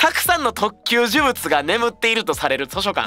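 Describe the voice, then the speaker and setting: A man speaks in a raised, projected voice with a Kansai accent and very wide pitch swings. The sound is dry with no echo, and faint music plays in the background. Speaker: virtual streamer. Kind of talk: casual livestream talk. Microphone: studio mic.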